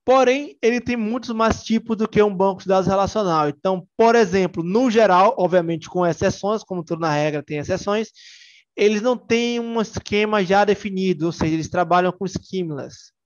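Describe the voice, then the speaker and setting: Man, young adult, Bahian accent, conference speaker, chatty, filler-heavy, high-pitched, muffled recording. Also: brisk. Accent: Bahian Brazilian Portuguese. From Salvador, Bahia, Brazil. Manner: chatty, joking, frequent fillers and restarts. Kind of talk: casual technical talk.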